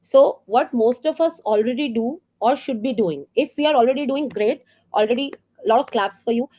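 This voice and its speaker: A woman's voice: fairly high pitch, moderate pace, dark tone. A middle-aged woman with an Indian English accent, explaining ideas to teachers in a professional development session, earnest and full of rhetorical questions and small fillers. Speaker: teacher trainer.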